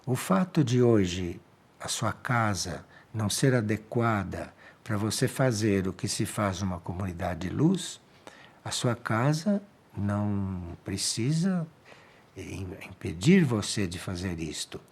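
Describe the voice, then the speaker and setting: Speaking in a husky voice on the low side, a Brazilian Portuguese-accented man responds to listeners' questions during a calm spiritual talk. His answers are measured, and he repeats important phrases to stress them.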